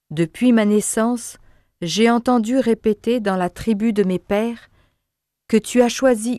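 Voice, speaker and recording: A woman with a fairly high pitch and a dark, mellow tone speaks very slowly in a solemn tone, with fairly even intonation, a dry, close sound with no echo, and a quiet background. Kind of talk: liturgical reading of scripture. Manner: solemn, earnest, slow-paced.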